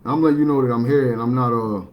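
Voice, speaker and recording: A man's voice: fairly even intonation, fast, highs cut off, a little hiss or hum. A man, talking bluntly and matter-of-factly in a rambling livestream monologue. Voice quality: baritone. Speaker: livestream host.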